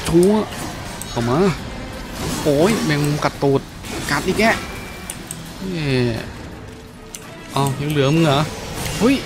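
A man's voice: fairly high pitch, slow pace, long pauses. A man giving casual gameplay commentary, playful and crude, with slangy talk and frequent exclamations. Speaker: gaming host. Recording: game music behind the voice. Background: game music.

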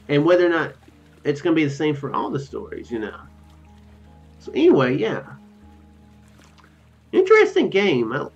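A tired young man hosts a gaming video in a loose, hesitant ramble. His pitch moves around a lot as he muses to viewers. The recording is a little dull, with music playing faintly behind him. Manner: rambling, hesitant, tentative musing. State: tired, drowsy. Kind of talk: casual game commentary to viewers. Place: small room at home. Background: game music.

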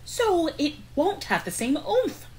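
A stressed out earnest witch, high voice, swoops around a lot, comedy radio play. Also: big pitch swings, slow pace, darkish tone, a little hiss or hum, heavily acted. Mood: worried. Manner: fretful, emphatic, dramatic. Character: anxious, earnest witch fretting over a prophecy. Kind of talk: comedic audio drama acting. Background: storm ambience.

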